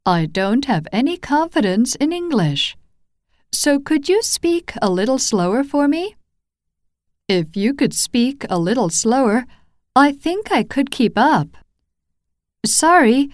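A woman reading example phrases for English learners, slow and clearly enunciated. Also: high-pitched, no room sound, studio quality. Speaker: phrase reader.

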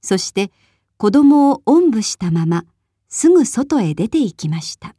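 A woman reading a folk tale aloud in a clear, measured storybook style, pausing to explain words. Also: on the high side, sing-song, mellow, dry recording, clean studio sound. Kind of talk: slow storybook reading for learners.

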